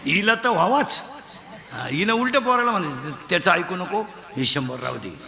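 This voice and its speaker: High bright-voiced man preaching a comic sermon. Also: sing-song, a little fast, creaky. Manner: storytelling with acted voices, mocking humor. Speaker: kirtan preacher. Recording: echoey hall sound.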